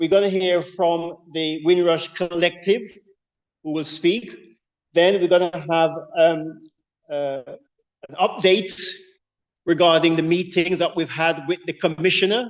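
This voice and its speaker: A man's high-pitched voice at a fairly slow pace, with fairly even intonation and long, frequent pauses. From UK, Caribbean heritage. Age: 70s. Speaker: campaign organizer. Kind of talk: rally speech. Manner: halting, with many fillers.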